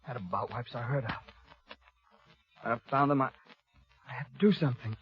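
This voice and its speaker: An actor playing an aggrieved, desperate ex-convict rancher with halting, folksy talk in an old Western radio drama. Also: male voice, medium pitch, close to an everyday voice. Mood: bitter, aggrieved. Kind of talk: 1950s Western radio acting. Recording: muffled old radio drama recording with music.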